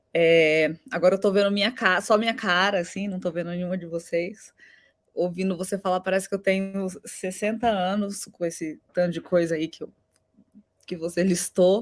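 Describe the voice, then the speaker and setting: A woman talks at a moderate pace with a medium pitch and fairly even intonation. The recording is very clean, with a silent background. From Brasília. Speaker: journalist and podcaster. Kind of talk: panel talk.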